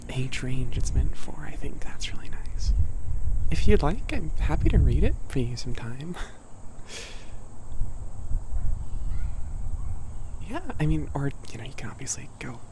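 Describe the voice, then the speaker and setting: A young man voicing a sweet, shy giant cat boy in a soft, near-whispered ASMR roleplay, chatting gently and hesitantly to a small friend. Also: medium pitch, background noise, close to an everyday voice. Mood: shy, helpful. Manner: gentle, hesitant, rambling, apologetic. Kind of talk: ASMR roleplay, casual chat to listener.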